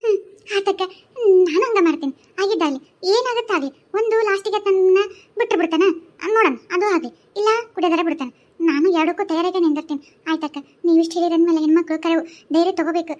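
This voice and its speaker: A woman's voice: extremely high pitch, fast talker, a little mellow. A woman voicing a poor, tearful village wife of a drunkard in a cartoon, with a North Karnataka Kannada accent and a pleading manner. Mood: resolved. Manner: pleading, tearful, repeats "yavva". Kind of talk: cartoon voice acting.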